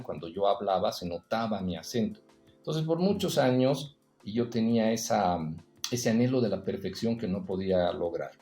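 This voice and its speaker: A podcast guest with a fairly low, warm voice tells personal stories in a reflective, casual interview, and the sound is roomy. He keeps dropping in "eh" and the tag question "¿no?".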